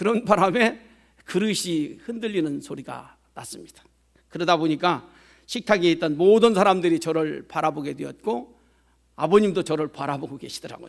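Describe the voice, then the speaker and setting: Big swings in loudness mark this high-pitched man's speech. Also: ordinary pitch variation, moderate pace. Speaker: church district leader giving a sermon. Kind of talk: sermon with personal testimony. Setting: prayer meeting. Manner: conversational storytelling with filler sounds.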